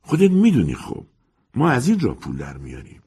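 A man voicing a shrewd, matter-of-fact middle-aged landlady in an audiobook story, speaking in a brisk, businesslike way. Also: medium pitch, huge pitch swings, warm tone, breathy edge, voice pushed up, exaggerated voice. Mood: smug.

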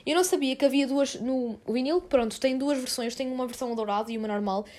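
Young woman, about twenty, for casual podcast chat. Highish voice, very quick delivery, slangy and informal. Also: a little mellow. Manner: informal, youthful slang-filled speech. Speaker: podcast host.

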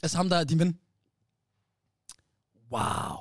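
A man's voice: on the high side, no room sound, clean studio sound. A man hosting a casual podcast, telling a story with lots of restarts and like "bro", in phrases. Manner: animated storyteller, many restarts, slang like "bro" and "wallah". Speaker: podcast host.

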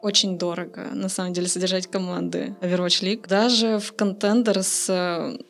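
A woman's voice: fairly low pitch, little pitch movement, moderate pace, vocal fry. A woman answering interview questions as a guest, an esports community manager. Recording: music under the talk. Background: music.

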